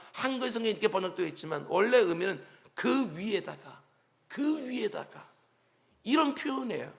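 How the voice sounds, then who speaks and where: A man's voice: high-pitched, creaky, a bit bright. A male pastor giving an early-morning sermon, earnest and preaching with rhetorical questions to the congregation. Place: church sanctuary.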